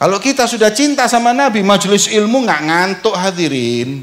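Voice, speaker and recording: Talking at a moderate pace, a man swings his pitch very widely. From Java. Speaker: Islamic preacher; religious preacher. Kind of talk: sermon. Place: stage. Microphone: handheld.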